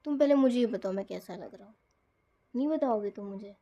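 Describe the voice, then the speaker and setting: A woman voicing a young newlywed husband who teases his wife and fishes for compliments in a soft, low, wheedling voice. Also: brisk, lo-fi sound, natural voice.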